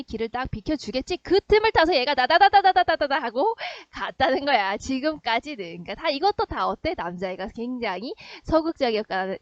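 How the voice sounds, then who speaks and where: Woman teacher, high voice, lively lesson delivery with acted-out lines, dry and slightly muffled recording. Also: dry recording. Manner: lively, acts out characters' lines in quick bursts. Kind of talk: explaining a novel for a middle school class.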